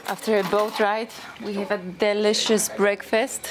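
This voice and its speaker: A woman's voice: medium pitch, flat delivery, a little slow. A young woman with a Polish accent, a native Polish speaker, narrating her travel vlog in a cheerful, chatty way. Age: young adult. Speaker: travel vlogger. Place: outdoors on a rooftop.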